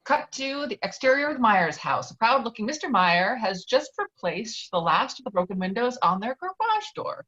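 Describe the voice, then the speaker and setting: A woman's voice: a little high, big pitch swings, normal speed, hardly any pauses, fairly bright tone. A woman reading stage directions as the narrator of a virtual table read. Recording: dull, lo-fi online call.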